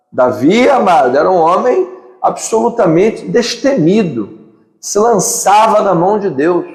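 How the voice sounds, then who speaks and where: A man with a Brazilian accent preaches as pastor in a church sanctuary, his voice sitting high with a darkish tone. He drives points home with emphatic repeated phrases and lists, and the hall echoes with long reverb.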